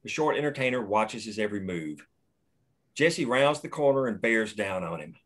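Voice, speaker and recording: A man's voice: lowish voice, normal speed. Man reading stage directions plainly. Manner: plain, even reading of action lines. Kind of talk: screenplay table read.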